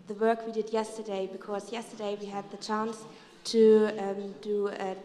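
Earnest young woman, flat delivery. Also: mid-range voice. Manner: earnest, measured, with fillers. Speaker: student. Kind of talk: prepared closing remarks. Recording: echoey hall, long reverb.

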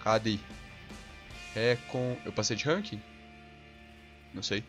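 Hot-headed Brazilian man yelling at a game. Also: fairly low pitch, slow pace, faint music behind. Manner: hot-tempered, swearing, sudden yelling bursts. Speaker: gaming channel host. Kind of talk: rage gameplay commentary.

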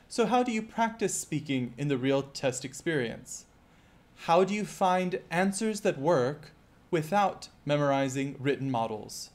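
A man with a slightly raised voice teaches an exam-prep lesson. He speaks in a clear, measured, scripted way and often asks the viewer rhetorical questions. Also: a little high, darkish tone. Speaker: IELTS teacher.

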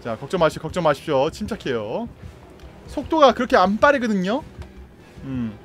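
A young male streamer with a high voice that leaps all over its range. He talks through a horror game in an excited, playful way, teasing and joking as he plays. His commentary bounces between calm reassurance and loud yelps. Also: fairly quick, soft background music. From Korea. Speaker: gaming streamer. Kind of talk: excited live gameplay commentary.

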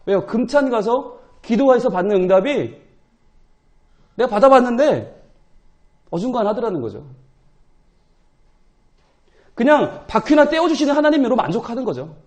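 A male pastor preaching at a church prayer meeting, animated and humorous, acting out people's inner voices. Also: extremely high pitch, normal speed, pauses often. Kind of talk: sermon.

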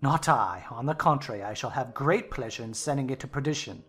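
A woman's voice: very deep voice, animated, brisk, a bit bright, breathy edge, faint music behind, voice pushed down, heavily acted. A woman voicing a reckless, drunken middle-aged father who speaks with scorn and mockery. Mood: scornful. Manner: scornful and mocking.

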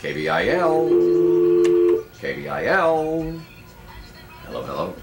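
Lively low-pitched male radio DJ. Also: takes it slowly, over loud music. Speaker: radio DJ on afternoon drive. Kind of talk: live music radio presenting. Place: small radio studio. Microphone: close broadcast studio microphone on boom arm.

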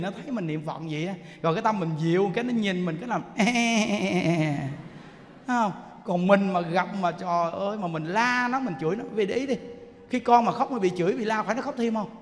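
A man with a Southern Vietnamese accent preaching a Buddhist sermon in a lively way, often asking the audience questions. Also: sits high, a little fast, a little hiss or hum. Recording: long hall reverb.

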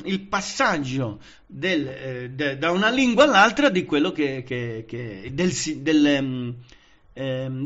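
The audio is dull, carrying a man's voice on the high side as he teaches a Pentecostal Bible study. He stays lively and emphatic, engaging his listeners with frequent checks like "vedete?" and "capite?" amid many fillers and restarts.

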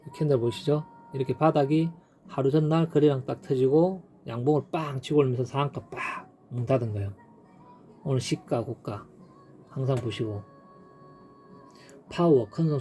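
A man's voice: mid-range voice, moderate pace, pauses often, mellow, soft background music. Emphatic man explaining stock charts. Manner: emphatic, repetitive, peppered with sound effects like "빵" and "빡". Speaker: stock trading instructor. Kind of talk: casual screen-share chart lesson.

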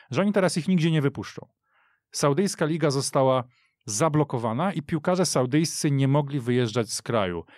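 A man's voice: mid-range voice, no echo, studio quality. Man telling football history with emphasis. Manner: animated storytelling with emphatic verdicts. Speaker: radio football pundit. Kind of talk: studio podcast discussion. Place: radio studio.

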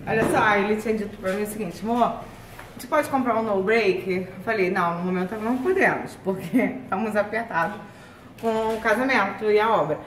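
A woman's voice: medium pitch, brisk. A young woman with a Brazilian accent chatting casually as co-host of a vlog, picked up by a phone camera. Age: young adult. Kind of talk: casual chat. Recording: echoey rooms, some noise and chatter.

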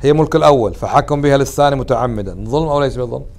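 Questioning sheikh teaching a class. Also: male voice, medium pitch, rapid-fire, gravelly, darkish tone. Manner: questions the audience often, then answers himself; mixes colloquial Gulf words into formal speech. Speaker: sheikh teaching a religious lesson. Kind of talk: interactive religious lesson.

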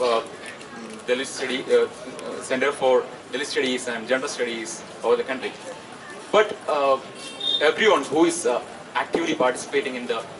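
A man in his twenties with a South Asian accent gives a protest speech as a student activist, halting and pausing often. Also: medium pitch. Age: 20s. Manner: halting, hesitant delivery with frequent pauses. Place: outdoors at night, open-sided tent gathering. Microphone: handheld microphone through PA, recorded by camera. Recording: distant outdoor PA sound, loud ambient noise.

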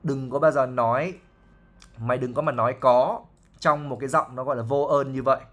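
Guy teaching english, goes slow and repeats stuff, mid-pitched voice. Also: fairly even intonation, a bit bright. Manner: patient, repetitive explaining with fillers and checks. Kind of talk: explaining a novel line by line.

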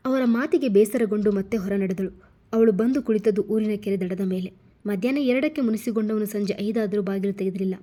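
Warm-voiced woman narrating a story. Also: medium pitch, brisk.

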